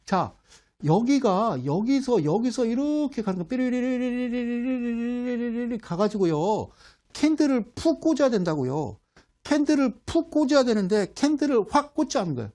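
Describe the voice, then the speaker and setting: A man's voice: sits high, a little mellow, breathy edge. A middle-aged man giving a playful stock chart lecture, asking questions and answering himself, with sound effects and mock dialogue. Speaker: stock market instructor.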